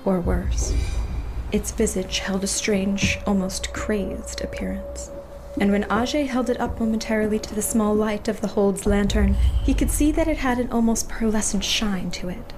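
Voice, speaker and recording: A woman narrating horror fiction as game master, with measured, suspenseful storytelling. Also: mid-range voice, poor audio. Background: music.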